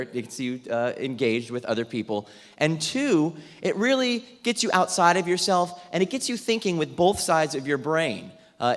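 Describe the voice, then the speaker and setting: A man's voice: mid-range voice, a bit bright. Man, mid-range voice, workshop facilitator, upbeat jokey instructions, long hall reverb. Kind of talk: leading a group warm-up exercise for an audience. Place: large indoor event room with tables.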